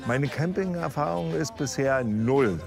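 A man's voice: mid-range voice, expressive, a little slow, gravelly, music in the background. A man on a camping show who jokes and teases his companions. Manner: teasing, joking. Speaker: guest.

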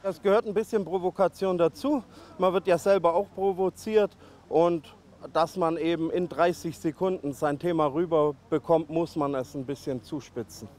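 Blunt man with a high voice. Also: fairly even intonation, normal speed, darkish tone. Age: 30s. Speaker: local political candidate. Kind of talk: interview statement.

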